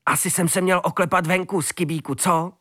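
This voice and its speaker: A man's voice: sits high, fairly even intonation, bright, forceful tone, dry recording, clean studio sound, voice pushed up. A man voicing a clumsy, apologetic male dog in a storybook reading, eager and sheepish.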